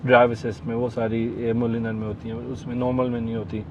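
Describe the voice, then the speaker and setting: A man with a Pakistani accent answering questions about his car outdoors, soft-spoken and hesitant. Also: mid-range voice, monotone, muffled recording, noisy background. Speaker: car owner, guest. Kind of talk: casual interview answers.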